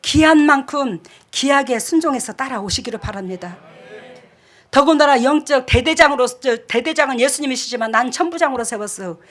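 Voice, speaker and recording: A woman pastor preaching a sermon, scolding and emphatic, jumping between loud outbursts and quiet asides. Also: sits high, expressive, brisk.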